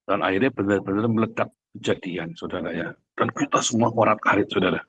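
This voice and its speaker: A man preaches in a husky voice, close and dry. He speaks conversationally but drives points home, repeating phrases and turning straight to his listeners. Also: on the low side, fast talker, a bit bright, no room sound, muffled recording. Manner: repeats phrases for emphasis, addresses listeners directly. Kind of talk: livestream sermon, conversational and emphatic.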